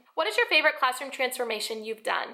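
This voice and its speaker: This woman's voice is high-pitched, energetic in tone, and raised and projected. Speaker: elementary school teacher, video blogger. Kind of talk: Q&A vlog. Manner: fast.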